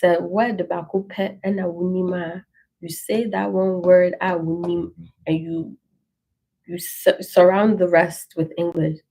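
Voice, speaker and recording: Slow, mellow woman. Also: lowish voice, flat delivery, low-quality recording. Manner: repeats phrases slowly and encourages learners. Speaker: language teacher. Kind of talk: relaxed language lesson, reading through an ebook.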